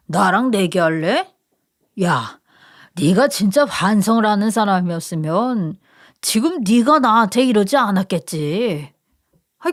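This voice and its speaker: A woman's voice: medium pitch, natural voice. A woman voicing a condescending older brother who scolds and sneers in a radio story.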